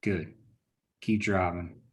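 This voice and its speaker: Hard small-town lawman, acted by a man: lowish voice, blunt, menacing, vengeful, for a drama. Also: fairly even intonation, takes it slowly. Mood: cold, threatening. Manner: gruff, blunt, threatening talk. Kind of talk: script table read.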